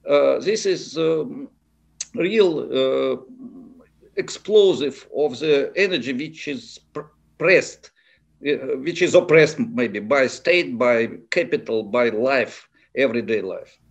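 Creaky-voiced Russian man giving political analysis. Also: medium pitch, lo-fi sound. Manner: halting, searching for words in non-native English. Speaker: interviewee, political commentator. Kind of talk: unscripted political analysis in an interview.

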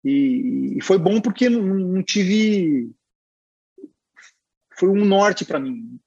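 Husky-voiced Brazilian man telling a story. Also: sits high, slow pace, dull audio. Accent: Brazilian Portuguese. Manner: animated, chatty, peppered with filler words. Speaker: guest illustrator. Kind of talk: casual storytelling.

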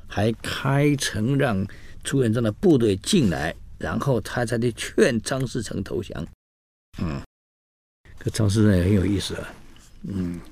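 A man telling history in a casual storytelling style, animated, acting out the quoted dialogue, with many fillers. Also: lowish voice, creaky, breathy edge, no echo.

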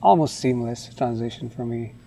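Give me a gravelly man in his forties from India, talking through his story as a podcast guest. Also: medium pitch, moderate pace, mellow, a little hiss or hum. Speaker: guest, winery owner. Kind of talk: casual podcast interview.

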